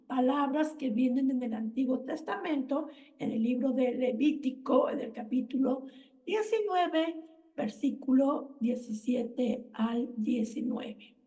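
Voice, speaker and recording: Earnest woman hosting radio, higher voice. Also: slow, warm tone, recorded from a distance. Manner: earnest, lecturing. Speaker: radio host. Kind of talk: reflective spiritual radio talk.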